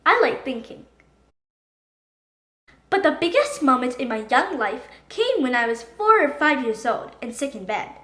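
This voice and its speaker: A woman reading a children's book aloud in an expressive, dramatic storytelling manner. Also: high-pitched, unhurried, long pauses. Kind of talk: animated storybook narration. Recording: echoey room.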